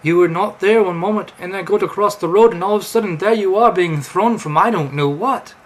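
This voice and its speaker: A man's voice: mid-range voice, a little slow, breathy edge. A man voicing a kindly, hearty Amish farmer in his sixties, with solicitous, old-fashioned talk. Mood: warm, welcoming.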